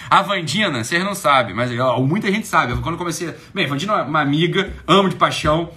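This Brazilian-accented live streamer speaks fast with lively intonation, his slightly high voice carrying a sharp edge. He's casual and emphatic, swears frequently, and keeps asking if you get it.

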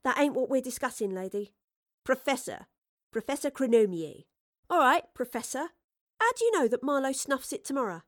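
A woman's voice: high voice, very animated, normal speed, no room sound, clean studio sound, pitched above the performer's own voice. A woman playing a young, blunt and inquisitive Elizabethan woman, in an audiobook story. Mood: defiant, suspicious. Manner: blunt, colloquial, challenging. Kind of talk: acted audiobook dialogue.

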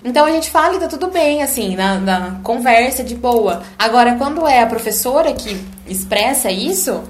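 A woman's voice: fairly high pitch, lively intonation, normal speed, few pauses, a little hiss or hum. A young woman with a Brazilian accent in a casual chat, emphatic and outspoken. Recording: roomy echo.

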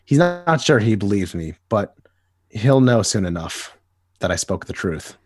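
A man's voice: lowish voice, sing-song, moderate pace, a little mellow, breathy edge, no room sound, studio quality. A man reading the part of a nostalgic grown-up superhero, talking in earnest first-person monologue. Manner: wistful, earnest inner monologue. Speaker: podcast co-host. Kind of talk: amateur comic dramatic reading.

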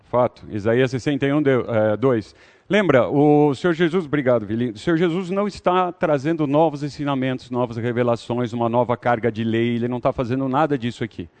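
A man's voice: mid-range voice, brisk, a little mellow. A man leading an interactive Bible study, talking conversationally and putting questions to the audience.

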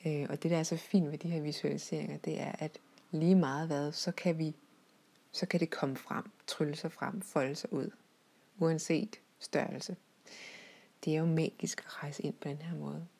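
Low, breathy woman, half-whispering. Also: level tone. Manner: soft-spoken, often sinking to a whisper; gentle, unhurried storytelling with hesitations. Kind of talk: recounting a guided visualization journey.

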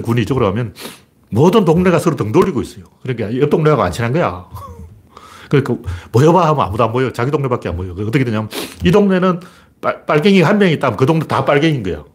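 Husky, lively-voiced man giving blunt commentary. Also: medium pitch. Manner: blunt, rambling and opinionated, with folksy asides. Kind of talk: casual spoken commentary monologue.

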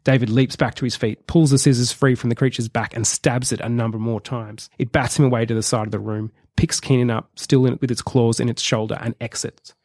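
A male podcast host narrating a comedic film pitch in a vivid, measured storytelling way. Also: fairly even intonation, darkish tone, no echo. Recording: dry close sound.

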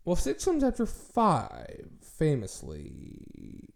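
A man in his thirties co-hosting a podcast, chatting casually and teasing his co-host with deadpan sarcasm. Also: on the high side, drawn-out words, creaky. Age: 30s. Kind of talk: casual banter.

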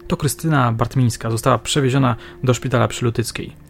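Brief: a man playing a blunt, slangy police sergeant in a crime audiobook, speaking up loudly. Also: medium pitch, fairly even intonation, fairly quick, close to an everyday voice. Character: gruff male police sergeant, blunt and talkative.

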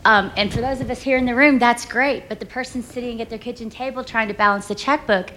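A woman's voice: a little high, steady tone, quick pace, sharp tone. A woman asking a question from the audience at a live event. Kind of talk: question from the floor. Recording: clearly noisy live room pickup.

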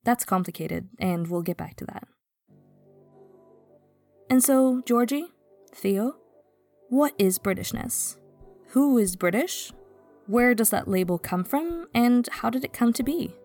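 A woman from Stockholm whose first language is Swedish, narrating a podcast in a measured, reflective way. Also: a little high, expressive, darkish tone, faint music behind. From Sweden, Stockholm. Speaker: podcast host. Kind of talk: scripted narration.

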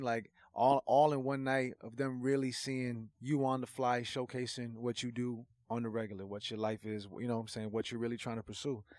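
A man whose first language is Portuguese, a guest rapper talking in a casual podcast chat, animated and slangy with emphatic swearing. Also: mid-range voice, no room sound.

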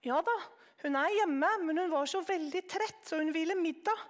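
A woman's voice: very high voice, voice pushed up. A woman voicing a small, curious, cheeky boy who keeps asking questions. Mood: eager. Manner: eager, questioning.

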